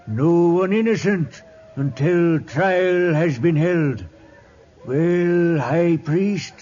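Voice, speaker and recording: An actor playing a stern, just tribal chief in 1950s radio drama, speaking solemn, clipped broken English. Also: male voice, fairly high pitch, very slow, dark tone. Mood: solemn, authoritative. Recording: muffled old radio recording.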